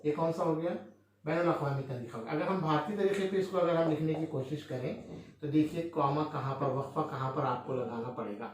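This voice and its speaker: A man's voice: on the high side, a little fast, heavy reverb, a little hiss or hum. A male teacher explaining a maths lesson, who asks questions and answers them himself with frequent checks on his listeners.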